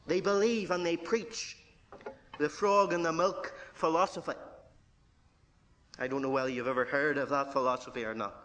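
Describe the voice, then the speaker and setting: A man with a Northern Irish accent and a slightly high voice delivers a sermon verse by verse. He shifts between quiet asides and ringing declarations, speaking straight to his listeners and calling each one "friend".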